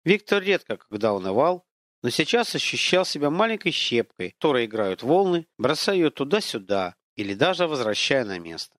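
A man narrating an audiobook in an expressive, dramatic storytelling manner. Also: medium pitch, brisk, no room sound, clean studio sound.

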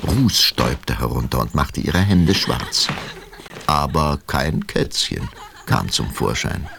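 Deep, gravelly man narrating. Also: lively intonation, takes it slowly, fairly bright tone, a little hiss or hum. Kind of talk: scripted narration for children's radio play.

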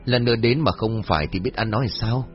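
A man's voice: on the low side, a little fast, highs cut off, soft background music, lightly acted. A man voicing a kindly, talkative older village man. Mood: chatty. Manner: chatty and familiar.

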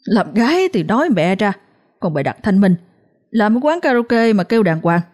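A woman's voice: medium pitch, big pitch swings, moderate pace, darkish tone, pitched above the performer's own voice, natural voice. A woman voicing a spiteful older sister who sneers and mocks. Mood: mocking. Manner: scornful.

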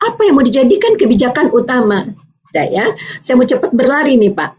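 A woman's voice: sits high, fast. A woman from Aceh gives a parenting seminar talk, telling a personal story and acting out the voices in it, at times becoming tearful. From Aceh, Indonesia. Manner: animated, acts out quoted voices, turns tearful. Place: online video seminar. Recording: muffled lo-fi online meeting audio.

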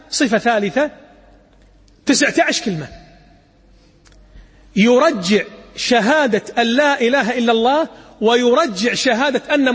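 Fast, high-voiced preacher in an echoing hall. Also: male voice, slightly rough. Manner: lively, acts out quotes, demonstrates call to prayer recitation. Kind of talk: sermon storytelling to an audience. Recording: reverberant hall.

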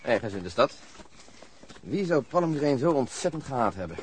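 Male actor as inquiring police investigator, mid-pitched, clear background noise outdoors, radio play. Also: very animated, moderate pace, close to an everyday voice. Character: questioning male police investigator, politely businesslike. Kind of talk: radio drama acting.

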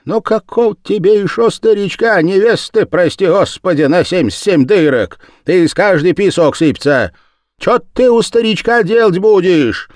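A man's voice: high voice, lively intonation, moderate pace, no room sound, clean studio sound, voice pushed up. A man voicing a scolding old village woman. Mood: mocking. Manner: scolding, blunt.

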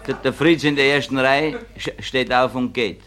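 A man's voice: mid-range voice, normal speed, noisy background. A male comedian telling jokes in a heavy comic stutter. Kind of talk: stand-up joke telling.

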